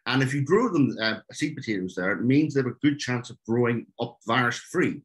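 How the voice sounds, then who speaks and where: A man's voice: medium pitch, animated, a little fast. A man from Ireland with an Irish accent, giving an earnest webinar talk with frequent fillers over a video call. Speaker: speaker.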